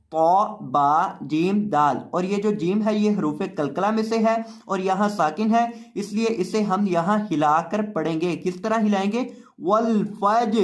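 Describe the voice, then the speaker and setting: A male Quran reading teacher who spells out letters and vowel marks, then drawls each word slowly, speaking with an Urdu-speaking South Asian accent. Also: high-pitched. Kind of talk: slow spelled-out recitation lesson.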